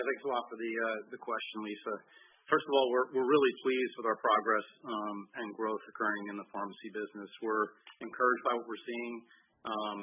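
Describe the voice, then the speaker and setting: A man's voice: mid-range voice, breathy edge. A male executive answering on an earnings call in upbeat corporate phrasing. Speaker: company executive answering analyst questions. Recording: narrow-band conference call line.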